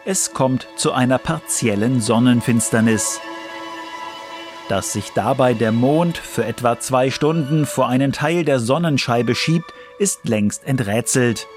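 A man's voice: medium pitch, unhurried. Male science radio narrator, faint music. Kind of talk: scripted science documentary narration.

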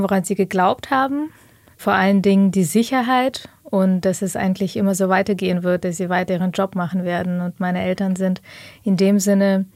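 A woman in her thirties from Ukraine with a somewhat gravelly voice, recorded dry and close. She speaks calmly and thoughtfully, recounting her own experiences in a measured way and reflecting on them. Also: mid-range voice, dry recording. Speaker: interview guest. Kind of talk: reflective personal interview.

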